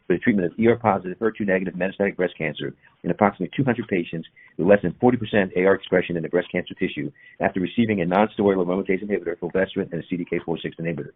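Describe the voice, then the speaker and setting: A man with a lowish voice reads a prepared corporate update at a brisk clip. His delivery is formal and technical, like an executive addressing investors. The audio is dull and band-limited, as on a conference call. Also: husky. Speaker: company executive presenting on an earnings call. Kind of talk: scripted corporate presentation read aloud.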